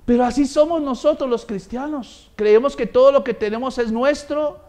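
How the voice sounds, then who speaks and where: A man preaching a sermon, telling stories and acting out the voices in them, growing loud on his points of praise. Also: very high voice, normal speed. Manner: animated storytelling, acts out quoted voices, swells loud on praise. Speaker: pastor.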